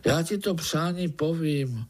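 A man's voice: a little high, voice pushed up, close to an everyday voice. A man voicing a little spider boy who is boastful yet easily startled. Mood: stubborn. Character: little spider boy, proud but lonely.

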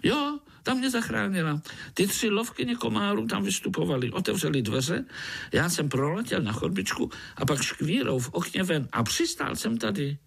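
A man's voice: sits high, sing-song, gravelly, fairly bright tone, slightly rough, voice pushed up, full character voice. A man doing a jovial boastful mosquito with a Slovak accent. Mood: boastful storytelling. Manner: jovial, boastful, drawn-out teasing. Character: boastful hungry male mosquito from the Danube.

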